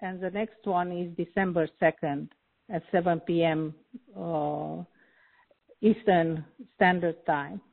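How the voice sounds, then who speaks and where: Romanian-born woman healer, interview guest, very slow halting delivery, tinny phone-quality audio. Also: lowish voice, fairly even intonation, gravelly. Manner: slow, hesitant, frequent filler pauses. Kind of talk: interview conversation.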